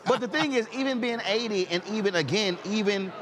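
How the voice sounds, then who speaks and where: Animated storytelling man in his fifties. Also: sits high, a little fast. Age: 50s. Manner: animated storyteller, repeats "I said" while acting out exchanges. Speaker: host. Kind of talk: casual interview chat.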